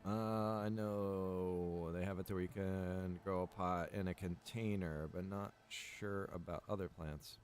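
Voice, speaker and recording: A man with a fairly low voice chats casually on a gaming livestream. He rambles and thinks out loud as he goes. Music plays faintly behind his voice. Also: steady tone, unhurried, hardly any pauses. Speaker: game streamer. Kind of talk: casual livestream gameplay chat.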